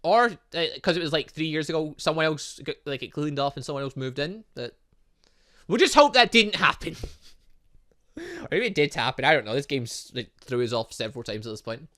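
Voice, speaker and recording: A man's voice: a little high, lively intonation, a little fast, bright, forceful tone. A man hosting a let's play, commenting and reading game dialogue aloud, often tripping over words and correcting himself. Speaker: gaming channel host.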